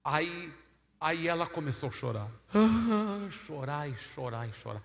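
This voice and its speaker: Male pastor preaching a story, acts out the voices, bright and gravelly, echoey church hall. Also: on the high side, normal speed. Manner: animated, acts out every voice, swings from loud to hushed. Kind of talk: preaching a sermon, telling a story.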